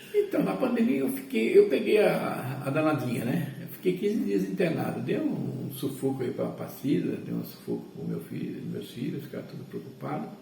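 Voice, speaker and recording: Amid noticeable background noise and audible room echo, a man talks at a moderate pace with hardly any pauses and big swings in loudness. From São Paulo. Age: 70s. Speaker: former circus performer and municipal works supervisor. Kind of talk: interview. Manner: halting, many repetitions.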